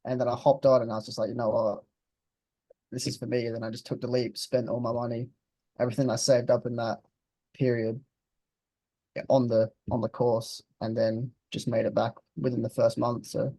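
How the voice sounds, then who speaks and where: A young man of about twenty chats in a relaxed, blunt way, swearing now and then. His voice is mellow and warm, and the recording sounds dry and close. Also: medium pitch, moderate pace, gravelly, husky, no room sound. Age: 20s. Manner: laid-back, blunt, swears casually. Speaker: interviewed client. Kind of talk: casual interview chat.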